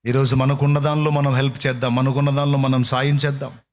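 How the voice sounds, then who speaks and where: A man's voice: mid-range voice, level tone, fast. Fervent man preaching a sermon. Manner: fervent preaching with repetition and quoted prayers. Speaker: pastor. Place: church service.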